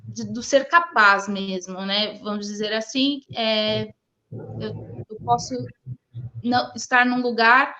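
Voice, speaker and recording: A woman with a Brazilian accent speaking as an interview guest, conversational and halting, often stumbling over her words. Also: on the high side, steady tone, sharp tone. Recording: dull, lo-fi online audio.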